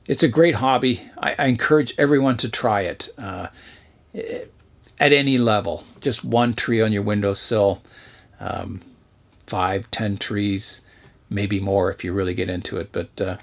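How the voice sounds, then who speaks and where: A man talking earnestly about his hobby, hesitant, with many pauses and restarts. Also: on the low side, creaky. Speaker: bonsai hobbyist. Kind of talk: casual reflective talk.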